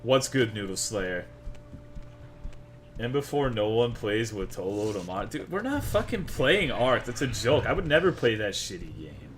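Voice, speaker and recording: Speaking on the low side with big pitch swings and a moderate pace, a Texan streamer jokes profanely with his chat over a video game. There's a little hiss or hum behind the brash, casual chatter.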